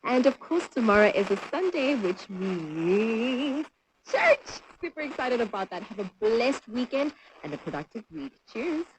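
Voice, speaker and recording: Higher-voiced woman on noisy radio. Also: big pitch swings, a little slow. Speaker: radio presenter. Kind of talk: chatty live radio presenting. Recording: noisy FM radio played through small speaker.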